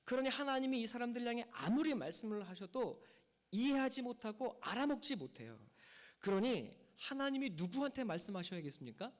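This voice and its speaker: Emphatic high-voiced pastor in reverberant church. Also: male voice, sing-song, a little fast. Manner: emphatic preaching, voice rising and falling sharply. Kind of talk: sermon. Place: church sanctuary.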